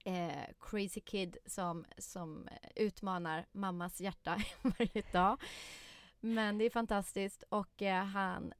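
Animated woman telling an anecdote. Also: mid-range voice, clear, resonant tone, dry recording. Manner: lively storyteller, many fillers and restarts, acts out quotes. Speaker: podcast guest. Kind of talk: casual storytelling chat.

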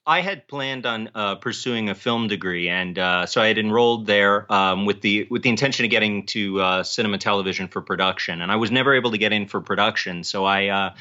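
A man speaking as an interview guest, an author talking casually in halting, self-correcting phrases. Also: fairly low pitch, pushed and bright. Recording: dull, band-limited audio.

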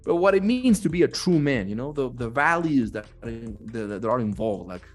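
A man's voice: mid-range voice, big pitch swings, a little fast. A man with a mid-range voice hosts a casual motivational talk. He speaks bluntly and swears freely, with music playing faintly behind him. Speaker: host of a talk on manhood.

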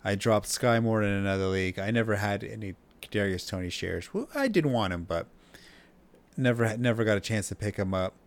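A man with a fairly low voice co-hosts a casual sports podcast. He speaks bluntly and stresses his opinions with emphasis. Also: animated, fairly quick. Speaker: podcast co-host. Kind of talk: casual fantasy football chat.

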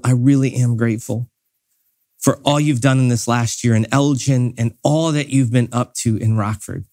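A man with a mid-pitched voice talks like a pastor to his congregation. He is earnest, grateful and conversational, moving easily between informal appeal and prayer. The sound is dry and close. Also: no room sound.

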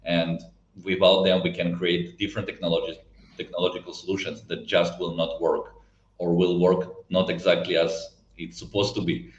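Low-pitched and level, at normal speed, this non-native English speaker with a foreign accent explains things conversationally as a guest from an event technology company. At times he searches for words. The sound is roomy, slightly dull, and lo-fi.

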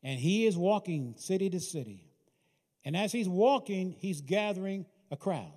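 A male preacher giving a sermon, telling a story dramatically in an emphatic manner that swings between soft and loud. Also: high voice, lively intonation, moderate pace. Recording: reverberant hall.

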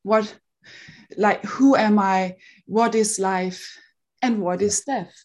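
A woman's voice: mid-range voice, slow, a little mellow. A woman with a Danish accent, hosting an online interview in a casual, chatty way over a video call. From Denmark. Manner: chatty, laughs easily, restarts often. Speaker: summit interviewer.

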